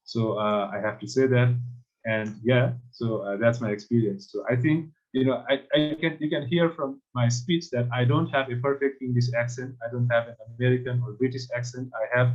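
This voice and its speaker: A man's voice: mid-range voice, steady tone, normal speed, lo-fi sound. A man with an Asian accent, a test-prep instructor speaking casually on a webinar panel, full of "you know" fillers.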